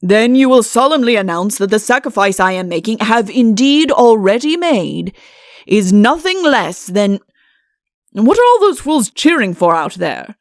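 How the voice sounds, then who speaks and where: A woman's voice: on the high side, big pitch swings, measured pace, no echo, clean studio sound. A woman voicing a pompous, stern, irritable middle-aged king in a comic fairy-tale audiobook, with an imperious, curt manner. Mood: irritated.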